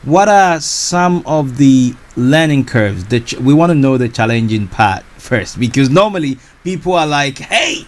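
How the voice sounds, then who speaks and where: A man's voice: medium pitch, lively intonation. Enthusiastic male radio host. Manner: enthusiastic, repeats exclamations, halting restarts. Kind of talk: radio interview.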